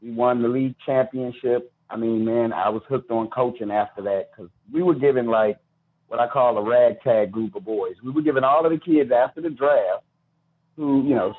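American male, middle-aged, interview guest telling personal stories, slightly phone-like sound. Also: medium pitch. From Chicago, United States. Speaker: podcast guest, youth baseball coach and charity founder.

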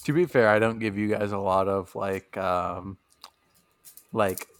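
A man's voice: on the low side, steady tone, measured pace, crowd noise. A man chatting casually on a podcast as the game master, rambling with lots of fillers. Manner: rambling, filler-heavy, laughs often.

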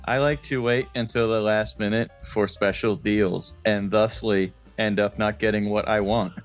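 A man co-hosting a comedy podcast in casual chat, laid-back, crude in his jokes and quick to laugh. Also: on the low side, steady tone, soft background music. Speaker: podcast co-host.

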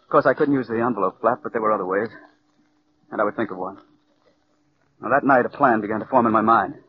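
An actor playing a nervous writer who stammers and broods over murder, in 1940s radio style. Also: male voice, fairly low pitch, fast talker, noisy background, close to an everyday voice. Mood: brooding. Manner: stammering when pressed, brooding in narration. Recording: dull old radio broadcast, music behind.

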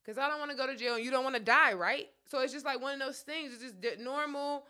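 A woman with co-hosts a casual talk show, blunt, profane and animated. Her voice sits high and has a sharp, bright edge. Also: quick pace. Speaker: podcast co-host. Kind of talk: casual chat.

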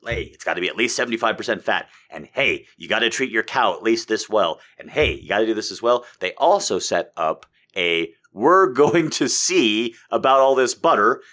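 A man rants through a comedy bit, his pitch swinging widely as he builds and drops. He swears freely and keeps a sarcastic, animated edge. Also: fairly quick, few pauses. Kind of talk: comedic rant.

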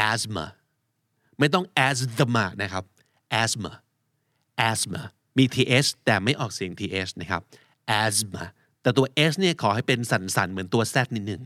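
Podcast host, male, lively teacher's voice, patient spelling, dry booth sound. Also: medium pitch, no echo. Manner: explains words slowly, spells letters aloud. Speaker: English vocabulary podcast host. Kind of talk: podcast vocabulary lesson.

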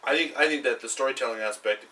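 A man chatting on a podcast in a quick, hesitant way, heard through a low-quality backup microphone. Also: bright, forceful tone. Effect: low-quality backup mic recording. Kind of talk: casual podcast chat. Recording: distant, noisy backup mic.

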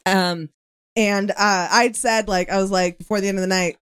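A woman's voice: mid-range voice, steady tone, moderate pace, a bit bright, smooth. A woman with an American accent co-hosting a podcast in casual chat, talking with lots of fillers and frequent laughs. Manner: chatty, giggly, many fillers. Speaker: podcast co-host.

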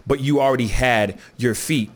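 A man's voice: medium pitch, moderate pace. A man hosting a casual talk, laid-back, often saying "you know what I'm saying". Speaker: host. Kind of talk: casual conversation.

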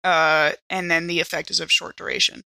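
A woman with a bright, forward voice talks as a player in a tabletop game. She speaks informally and haltingly, working out moves aloud, in a very dry recording. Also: fairly low pitch, flat delivery, creaky, no echo. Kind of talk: casual in-game chat.

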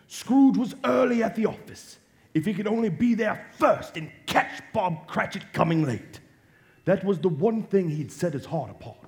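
A man acts as a storybook narrator for a stage radio play, with a high, very animated voice. He takes his time and pauses for drama, and faint music sits behind him. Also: heavily acted. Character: storybook narrator of a Victorian Christmas tale. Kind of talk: scripted theatrical storytelling. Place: theatre stage before a live audience. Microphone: shared stage microphone. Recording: live stage recording with music.

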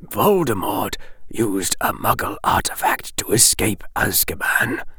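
A man voicing a grave, sorrowful old male wizard in an audiobook, speaking in a hushed, whispery, measured way. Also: fairly low pitch, sing-song, slightly rough, no echo, heavily acted. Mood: warning. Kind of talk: audiobook character voice.

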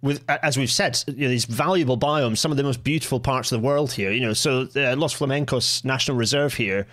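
A middle-aged man hosting a podcast in an average-pitched voice. He rattles along quickly, eager and restarting his sentences as he goes. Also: fairly bright tone. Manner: eager, talks in quick bursts with many restarts. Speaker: podcast host. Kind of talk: casual podcast conversation.

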